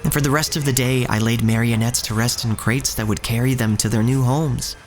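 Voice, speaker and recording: An actor playing an earnest, uneasy young shop boy, narrating his own story in a measured, literary way. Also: medium pitch, steady tone, natural voice. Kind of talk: first-person scripted narration in audio drama.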